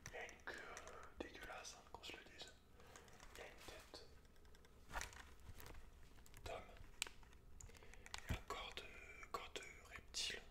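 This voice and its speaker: A man whispering in breathy ASMR style, reading aloud with informal, slangy asides, close to the microphone. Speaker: host of an ASMR channel.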